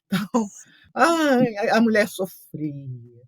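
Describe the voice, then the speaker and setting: A woman's voice: medium pitch, big pitch swings, takes it slowly, slightly rough, dry recording. A woman leading a study group, teaching in a chatty, story-filled way with asides and quoted remarks. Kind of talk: casual teaching talk.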